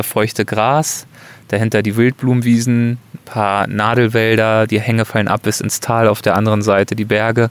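A man interviewing outdoors, calmly describing the scenery and asking open questions. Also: fairly low pitch. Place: outdoors on a stone in front of a wooden hut.

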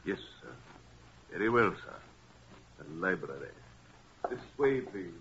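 A secretive formal butler, lowish voice, old muffled radio drama. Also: male voice, sing-song, measured pace, exaggerated voice. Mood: stiff, uneasy. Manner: stiffly deferential, hesitant. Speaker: actor. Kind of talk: 1940s radio acting. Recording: noisy, muffled 1940s radio recording.

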